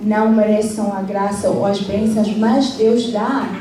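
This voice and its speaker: A woman speaks with a fairly high pitch. Audible room echo and noticeable background noise surround her voice. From born in Angola. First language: English stronger than Portuguese (speaking Portuguese). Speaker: church member sharing. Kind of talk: testimony. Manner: halting.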